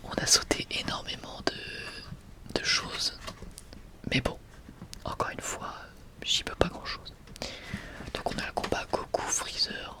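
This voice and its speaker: A man's voice: slow, pauses often. A young adult man whispers in a casual, enthusiastic ASMR style, sometimes hesitating as he presents. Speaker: ASMR video creator presenting a manga collection.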